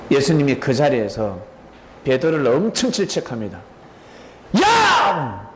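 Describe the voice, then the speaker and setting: Animated male pastor preaching. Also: a little high, normal speed, background noise. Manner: dramatic storytelling, quizzing listeners by name. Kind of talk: sermon. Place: church sanctuary.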